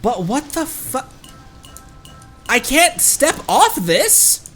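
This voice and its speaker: A giggly male streamer who keeps laughing at himself while he plays. His voice swoops around a lively pitch range, and soft game music sits under his talk. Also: drawn-out words. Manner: laughing, self-mocking. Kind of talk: casual gameplay commentary.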